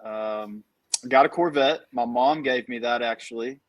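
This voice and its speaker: A man in his 30s, a podcast guest, tells stories in a laid-back casual chat, laughing often. His voice is medium-pitched and unhurried, and the audio sounds dull.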